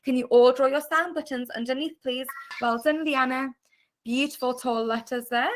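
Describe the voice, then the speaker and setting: A British woman teaching an online phonics class to young children, sounding out letters clearly and praising often. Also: high voice, fairly even intonation, normal speed, a little hiss or hum. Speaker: primary school teacher. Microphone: video call.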